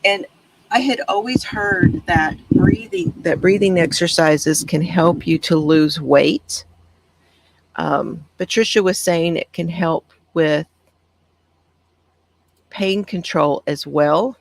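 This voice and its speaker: A woman hosting a casual live stream, with a soft, calming voice, reading out notes on breathing and answering viewer comments. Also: lowish voice, creaky, low-quality recording. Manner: gentle, reads aloud with pauses and answers viewer comments. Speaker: craft channel host.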